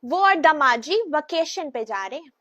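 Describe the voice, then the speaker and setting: A woman's voice: high voice, expressive, moderate pace, fairly bright tone. A woman playing a boastful middle-aged mother-in-law who brags and brushes things off. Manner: bragging, dismissive.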